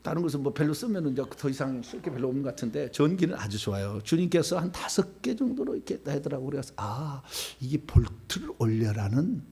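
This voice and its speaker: Male pastor preaching in a church, animated storyteller, slightly high and husky delivery. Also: quick pace, hardly any pauses. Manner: animated storytelling, sudden shouted commands. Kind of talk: charismatic sermon at a Friday prayer meeting. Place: church sanctuary.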